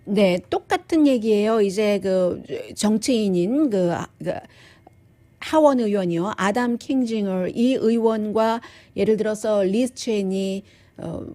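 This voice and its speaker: A woman's voice: mid-range voice, takes it slowly, warm tone. A woman hosting live news commentary, explaining things in a conversational way with restatements and quoted asides.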